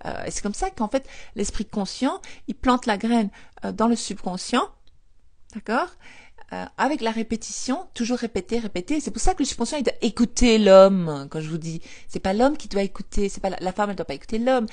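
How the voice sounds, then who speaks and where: A woman coaching viewers on affirmations in a live stream. She talks in a chatty, lively way, repeats phrases, laughs often and reads viewer comments aloud. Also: fairly high pitch, fairly quick. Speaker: manifestation coach.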